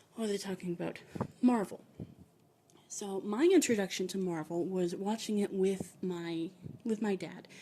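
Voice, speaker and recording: Soft-spoken and dark, mellow in tone, a woman talks at a moderate pace with long, frequent pauses. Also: medium pitch for a woman, fairly even intonation. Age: 30s. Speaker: podcast host. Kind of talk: casual monologue. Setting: garage, walking around.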